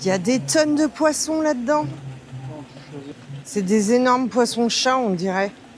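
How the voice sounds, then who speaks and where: A woman with a high voice speaks with very wide pitch swings and long, frequent pauses. Noticeable background noise and audible room echo are present. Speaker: travel vlogger. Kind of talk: travel vlog narration. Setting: outdoors at a temple. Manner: hesitant, many fillers; soft-spoken.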